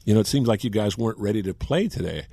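A man in his sixties, a longtime sports broadcaster, telling animated anecdotes in casual chat. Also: fairly low pitch, fast, slightly rough, no room sound. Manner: animated anecdotes, acts out quotes.

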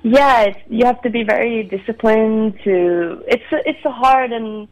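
A woman in her late twenties, from Sweden, a ballet dancer answering interview questions in a measured, soft-spoken way with many pauses. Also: on the high side, rough recording. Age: 20s. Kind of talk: phone-in radio interview.

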